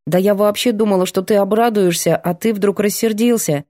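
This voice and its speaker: A cheeky, bookish girl student with a raised, chirpy voice, quick to tease and to protest, as a woman reading an audiobook puts her on. The sound is dry and close, with a mellow tone. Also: mid-range voice, steady tone, dry recording, voice pushed up, close to an everyday voice. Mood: apologetic. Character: bookish stubborn cheeky young female student. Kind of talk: audiobook character voice.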